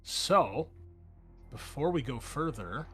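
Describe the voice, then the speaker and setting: A man's voice: mid-range voice, lively intonation, slow, a crowd in the background. A man acting as game master of a tabletop roleplaying game, addressing his players in turn with casual narration. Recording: music behind the voice. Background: music.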